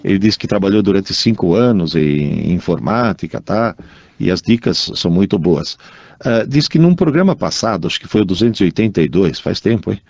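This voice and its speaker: Radio co-host, Italian-accented man, lowish voice, dull dry studio sound. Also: brisk, vocal fry, no room sound. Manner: lively, chatty, reads listener emails. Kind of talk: casual radio chat.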